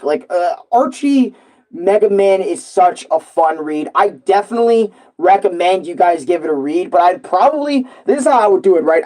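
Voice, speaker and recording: A man rambling casually and excitably on a live stream, full of slang and repeating himself. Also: a little high, rough recording. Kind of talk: casual, rambling live stream chat about comics and games.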